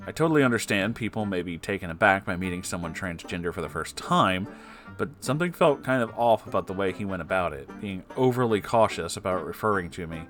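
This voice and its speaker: A man with a fairly low voice narrates an online story in a theatrical yet conversational way. He drops in asides as he reads, like a host talking to regulars. Plucked guitar music plays clearly behind him. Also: expressive, quick pace, a bit bright. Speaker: host reading Reddit stories.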